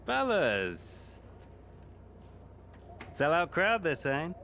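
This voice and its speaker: A smug racer who gossips and mocks, lively pitch, faint background noise. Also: male voice, extremely slow, exaggerated voice. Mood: teasing. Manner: teasing, mocking, laughs a lot. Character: smug gossiping male racing driver, mocking.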